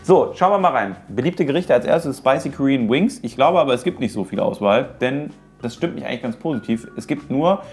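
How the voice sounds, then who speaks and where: A man's voice: mid-range voice, animated, a little fast, hardly any pauses, faint music behind. A man in his thirties chatting casually and jokingly in a food vlog, with slang and English phrases mixed in. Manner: jokey, exclamatory, slangy. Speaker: host of a food-testing video. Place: home kitchen, indoors.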